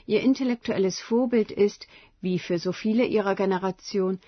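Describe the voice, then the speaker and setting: A woman narrates a radio feature in a measured, scripted way. Her voice has a slight huskiness, and the recording is dry and a little dull. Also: mid-range voice, dry recording. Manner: measured, even reading. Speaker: radio reporter.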